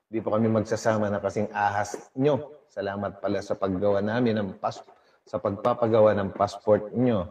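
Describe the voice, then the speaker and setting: A man's voice: on the low side, little pitch movement, moderate pace, darkish tone, lo-fi sound. A man hosting a casual gossip vlog, reading posts aloud and laughing often.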